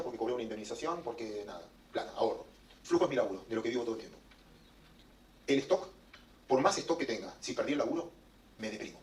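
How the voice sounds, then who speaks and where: A man's voice: medium pitch, a little hiss or hum. A man with an Argentine accent giving an economics talk to an audience, emphatic and joking, recorded at a distance in an echoey room. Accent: Argentine Spanish. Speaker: economic speaker. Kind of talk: lecture to an audience.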